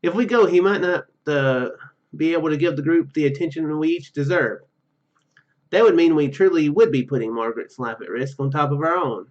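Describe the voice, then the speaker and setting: A male gaming host with a fairly high voice. He reads story text aloud and adds his own commentary. The recording is slightly dull and muffled. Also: brisk. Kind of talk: let's play commentary, reading game text aloud.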